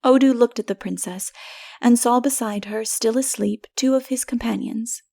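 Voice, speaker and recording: A woman narrating literary fantasy as a dramatic audiobook, expressive and theatrical, sometimes dropping to hushed phrases. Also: a little high, normal speed, vocal fry, no echo, clean studio sound.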